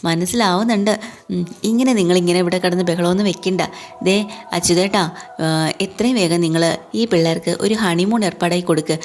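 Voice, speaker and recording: A woman's voice: fairly low pitch, fairly quick, a little mellow, slight background noise, lightly acted. A woman voicing a mocking older woman of the household in a serial retelling. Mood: teasing. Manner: teasing.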